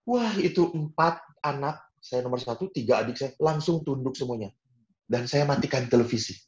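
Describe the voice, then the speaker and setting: A man's voice: medium pitch, normal speed. A man who is a Catholic priest, preaching in a conversational storytelling style. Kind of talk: sermon. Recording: roomy, dull lo-fi sound.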